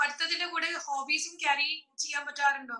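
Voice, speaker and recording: A woman speaks at a high pitch in a raised, projected voice. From grew up outside Kerala, studied in Delhi. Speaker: chat show host and author. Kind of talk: casual interview chat.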